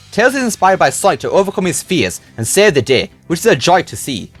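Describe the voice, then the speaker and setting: A man's voice: fairly high pitch, a bit bright. A man giving a scripted but conversational film review as a video host, with casual, opinionated phrasing.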